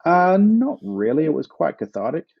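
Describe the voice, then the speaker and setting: A man's voice: on the high side, big pitch swings, moderate pace, vocal fry, slightly rough, dry recording, muffled recording. An Australian man being interviewed as a guest author, answering in a laid-back way with frequent chuckles.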